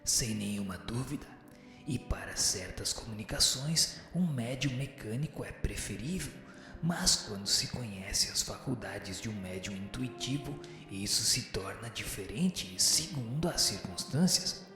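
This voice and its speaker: An actor playing a wise, solemn male spirit who teaches in a formal, measured radio drama manner. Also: on the low side, lively intonation. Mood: firm, didactic. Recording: reverberant echoing hall, music underneath. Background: music.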